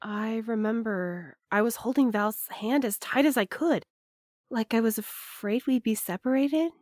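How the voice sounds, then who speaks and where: A woman's voice: on the high side, measured pace, darkish tone, no echo, studio quality, lightly acted. A woman playing an earnest, hesitant young courier in a naturalistic audio drama, speaking thoughtfully. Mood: uncertain.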